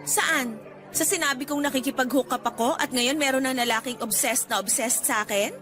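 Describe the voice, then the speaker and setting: A woman's voice: sits high, a little fast, fairly bright tone. An actress playing a defiant, flippant woman nearly thirty in a radio drama, with a Filipino accent and breezy, defensive retorts. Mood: evasive. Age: 20s. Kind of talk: Tagalog radio drama acting. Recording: music faintly underneath.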